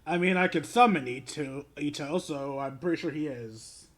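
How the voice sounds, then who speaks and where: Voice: mid-range voice, moderate pace. A video game streamer giving casual gameplay commentary, blunt and sweary.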